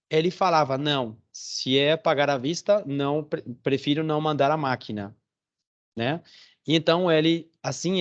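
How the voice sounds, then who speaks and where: A man with a slightly high voice teaches a Portuguese class online, heard through a phone or computer on a video call with lo-fi sound. He tells stories chattily and checks in with students often, sprinkling in "né?" and "tá certo?".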